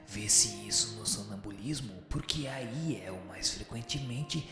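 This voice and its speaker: Radio drama: actor as patient, solemn male spirit sage, measured and didactic, long hall reverb, lowish voice. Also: natural voice. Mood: patient, instructive. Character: wise male spirit teacher answering questions, patient and solemn. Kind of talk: scripted radio drama reading of a spiritual text. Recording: very echoey hall-like reverb with music behind.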